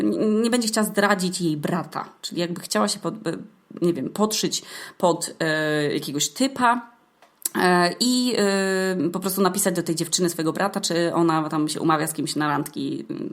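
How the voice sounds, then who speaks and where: A young woman hosting a podcast, telling a story casually in slangy, hesitant speech with swearing and many filler sounds. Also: lowish voice. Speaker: podcast host.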